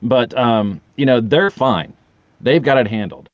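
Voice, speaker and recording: A man's voice: mid-range voice, unhurried, lo-fi sound. A middle-aged man chatting casually as a podcast guest, with a joking, salty, irreverent manner. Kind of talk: casual chat.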